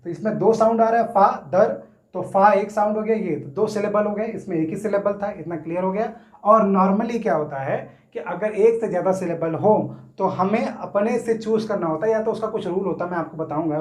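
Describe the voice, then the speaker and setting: A man teaching English grammar in a casual Hindi lesson. He explains step by step, stretches words out slowly when sounding them, and keeps checking in with his students. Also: sits high, a little mellow. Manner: explains step by step, often checks in with "theek hai na". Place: room, writing on a board. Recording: echoey room.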